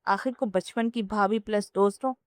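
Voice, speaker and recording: A bossy, cheeky young cousin who bargains with easy nonchalance, as a woman reader puts her on. The voice is clear and smooth, recorded dry and close. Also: mid-range voice, no room sound, lightly acted. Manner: offhand, bargaining tone.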